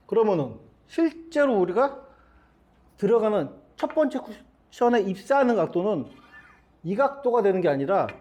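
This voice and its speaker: Man, middle-aged, billiards coach; high, animated voice, talks through each shot with questions. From South Korea. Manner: explains step by step with many rhetorical questions. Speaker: billiards instructor. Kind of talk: demonstration lesson.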